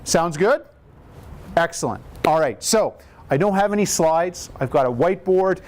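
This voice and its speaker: A man in his fifties with a booming voice, leading a live question-and-answer talk in a cardiac rehab class, explaining plainly and asking the room rhetorical questions. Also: animated, moderate pace, darkish tone. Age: 50s.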